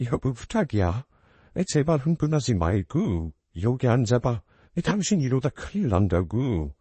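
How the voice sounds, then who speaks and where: A man voicing a grieving husband who firmly urges his wife to calm down. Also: mid-range voice, measured pace, husky, dry recording. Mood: grave. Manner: firm, urging calm. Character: grieving husband and father, steady.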